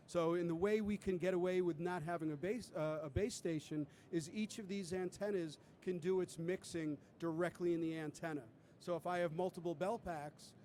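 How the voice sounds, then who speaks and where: A man giving a live product demonstration, explaining things step by step as a presenter. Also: a little mellow. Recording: clear background noise with low rumble.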